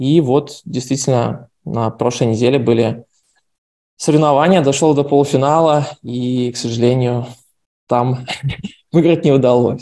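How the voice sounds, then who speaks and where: A man with a dark, mellow tone speaks at medium pitch and a fairly slow pace. His intonation is fairly even, broken by long, frequent pauses. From Latvia. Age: 30s. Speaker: poker backing fund founder. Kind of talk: podcast interview.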